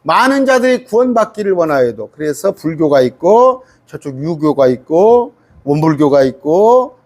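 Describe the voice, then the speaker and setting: A middle-aged man, a pastor, giving a conversational bible study sermon, asking his listeners rhetorical questions and reading scripture aloud slowly. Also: a little high, very animated, a little mellow. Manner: reads scripture aloud slowly, sometimes singing it.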